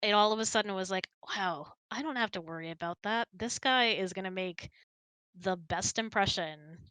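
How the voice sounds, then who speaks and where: A woman speaks in a bright, forward voice at a medium pitch. She hosts an informal chat, telling stories in a relaxed conversational style, recorded close and dry. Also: moderate pace, clean tone, no room sound. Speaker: host answering audience questions. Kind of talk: casual chat.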